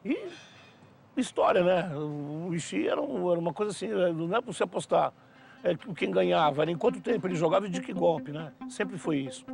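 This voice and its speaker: A man recounts stories briskly in a documentary interview, speaking fast in a high, gravelly voice. Soft music plays faintly behind him. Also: animated. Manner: brisk anecdotal storytelling.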